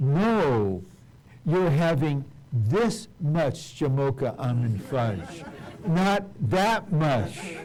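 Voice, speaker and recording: A man speaks at a very slow pace in a fairly high voice with very wide pitch swings and very even loudness. Noticeable background noise and audible room echo surround him. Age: 80s+. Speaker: church speaker. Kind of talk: sermon.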